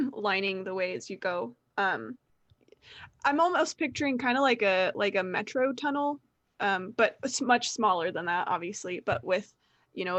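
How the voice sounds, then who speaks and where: A woman's voice: mid-range voice, fairly bright tone, dry recording. A woman narrating as game master, loose and chatty with fillers and laughs.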